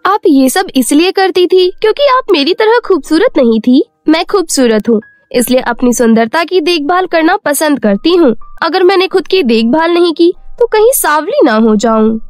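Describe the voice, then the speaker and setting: A woman plays a vain, hot-tempered young princess from a cartoon fairy tale. Her voice is very high and close, with little room sound. She speaks in a haughty, demanding way over faint music. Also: expressive, moderate pace, few pauses, dry recording. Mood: vain, dismissive. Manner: haughty, self-admiring, demanding. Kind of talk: cartoon moral-story character voice.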